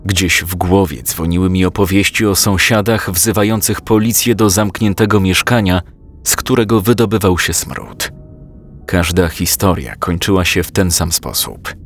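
A man calmly narrating a first-person story, voicing the dialogue himself. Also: sits low, soft background music. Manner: calm, measured storytelling with quoted dialogue.

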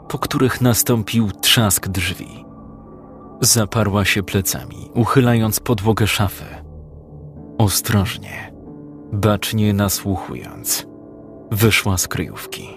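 A man narrating a dramatic story in a calm, measured audiobook reading. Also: on the low side, soft background music.

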